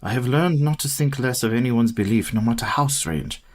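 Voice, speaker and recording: A man's voice: medium pitch, natural voice. A man playing a grave, courtly old professor. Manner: formal, courtly, measured speech. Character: learned elderly male professor, gentle and grave. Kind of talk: radio play acting.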